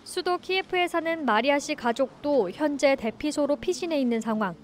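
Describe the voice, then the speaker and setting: A woman reporter narrating a news story in a measured, scripted reading. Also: high-pitched, animated, a little hiss or hum.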